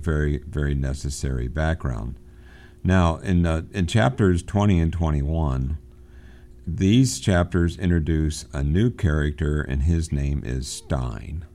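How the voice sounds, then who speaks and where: A man giving a recorded literature lecture, unhurried and full of fillers and restarts. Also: a bass voice, dark tone. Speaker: literature teacher.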